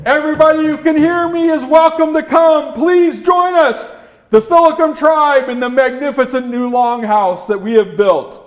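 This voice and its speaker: A proud tribal leader hosting a great feast acted out by a male storyteller. He speaks in a raised, high voice with loud, declarative delivery, and is easily exasperated. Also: slow pace, roomy sound. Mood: proud, welcoming. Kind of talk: oral storytelling character.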